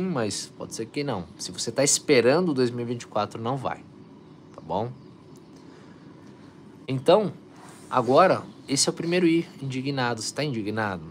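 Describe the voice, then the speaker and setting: A man's voice: mid-range voice, a little hiss or hum. A man hosting a motivational live stream, urging viewers on with energy and reading out their comments. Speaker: live stream host, coach.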